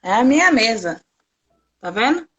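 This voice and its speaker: A woman's voice: a little high, very animated, moderate pace. A woman in casual talk about the Bible, chatty and asking teasing questions. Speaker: co-host.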